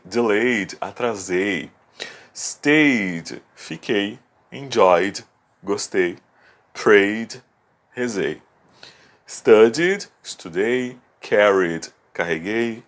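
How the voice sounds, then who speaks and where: Brief: male teacher, measured slow delivery, patient step-by-step explainer. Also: on the low side. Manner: patient, step-by-step, repeats key words slowly. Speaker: English teacher. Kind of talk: video lesson explanation.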